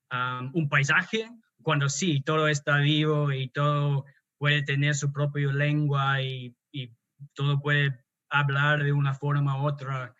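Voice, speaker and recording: An Australian man, speaking Spanish as a second language, talks with a slightly high voice and plenty of hesitations and restarts. The recording sounds dull and lo-fi, like a muffled call. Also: pushed and bright. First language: English. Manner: hesitant, many restarts and fillers. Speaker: guest poet and translator. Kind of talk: conversational interview.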